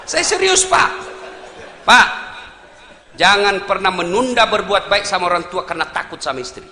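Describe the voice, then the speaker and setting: A male preacher with a high, very bright, tense voice delivers a humorous sermon. He is emphatic and teasing, dropping quiet and then shouting. The sound rings through a large hall with long reverb and faint noise. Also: big pitch swings, moderate pace. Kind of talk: humorous sermon to a live congregation.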